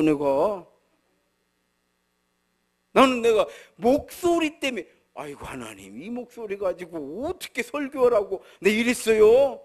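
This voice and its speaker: A middle-aged man preaching a sermon as pastor, telling stories and acting out quoted voices, with swings from soft murmurs to loud emphatic bursts. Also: on the high side. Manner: storytelling, acts out quoted voices.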